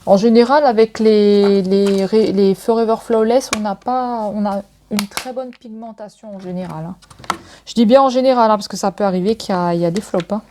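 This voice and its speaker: A woman's voice: mid-range voice, fairly even intonation, normal speed, dark tone, a little hiss or hum. A woman casually showing makeup palettes in a haul video, talking in a chatty way full of little fillers. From France. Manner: chatty, frequent "hein" and "donc voilà" fillers. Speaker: beauty vlogger.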